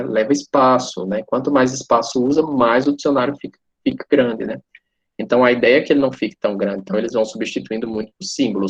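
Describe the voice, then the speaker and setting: A man's voice: mid-range voice, breathy edge. A man teaching a lesson, explaining step by step and often checking in with his listeners. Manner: frequent tag questions, pointing at a screen. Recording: dull lo-fi sound.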